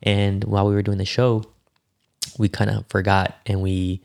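A man, a rapper and musician, telling stories in a relaxed casual interview, with many fillers and restarts. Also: lowish voice, moderate pace, gravelly. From United States.

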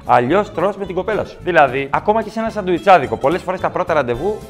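Man, stand-up comedian, animated delivery, character voices, higher voice, faint music behind.

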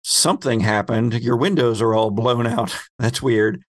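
Man, game master, medium pitch, improvised storytelling, conversational, halting delivery.

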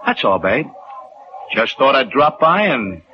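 A man's voice: mid-range voice, big pitch swings, unhurried. A casual, needling tough guy in old-time radio crime drama. He is slangy and breezy, on a dull, noisy recording.

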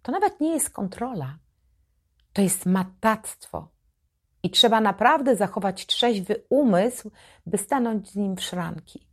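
A woman with a lowish voice hosts a psychology channel, delivering an advice monologue to her viewers. She speaks slowly, emphatically, and deliberately.

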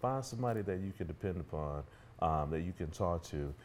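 A middle-aged African American man with a deep, low-set voice. He speaks conversationally as an interview guest, repeating phrases for emphasis as he earnestly encourages the listener. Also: lively intonation, brisk, darkish tone, slight background noise. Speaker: podcast guest, entrepreneur and author.

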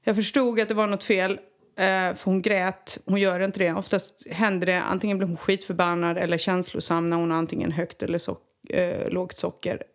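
Swedish woman, casual talk, animated storyteller who acts out the quotes. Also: on the low side. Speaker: guest telling a personal story. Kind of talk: casual conversation.

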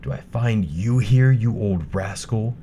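A man reading a storybook aloud, voicing a stern, dutiful huntsman with a brisk, blunt delivery. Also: lowish voice, dark tone, slight background noise, pitched above the performer's own voice. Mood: gruff.

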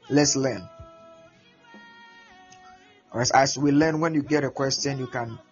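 A Ghanaian man preaching a teaching sermon, repeating words often as he explains. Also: medium pitch. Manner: repeats words, animated, acts out prayers and voices. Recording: muffled lo-fi with faint music.

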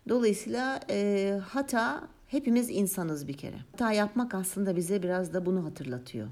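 A woman's voice: medium pitch, expressive, normal speed, a little mellow. A woman with a mid-range voice, talking things through in an easy, reflective way. She explains her thoughts carefully and teases herself now and then. The tone stays conversational. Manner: reflective and explanatory, playfully self-mocking. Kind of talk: casual conversational chat.

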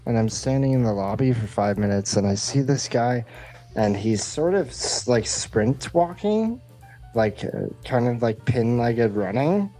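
A man's voice: medium pitch, lively intonation, measured pace, mellow, soft background music, low-quality recording. A man hosting a podcast, telling a rambling, casual comic story and acting out the dialogue. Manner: rambling, acts out quoted dialogue. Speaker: podcast host.

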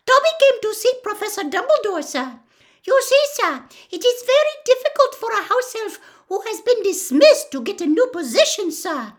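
A woman's voice: very high voice, very animated, moderate pace, pitched above the performer's own voice. A woman voicing a small, eager male house elf who talks shrilly in broken grammar and keeps saying "sir".

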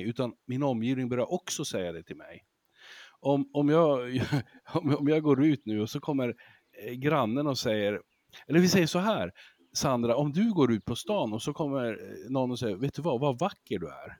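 A man who gives lectures, talking as a podcast guest in a casual, lively way, acting out examples and laughing easily. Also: medium pitch, dry recording. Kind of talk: casual interview talk.

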